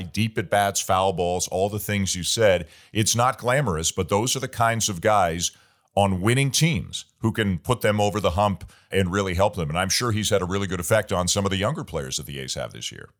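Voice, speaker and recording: A man hosting a baseball interview show, talking in a relaxed, opinionated way with easygoing asides between his questions. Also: low-pitched, fairly quick. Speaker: podcast host.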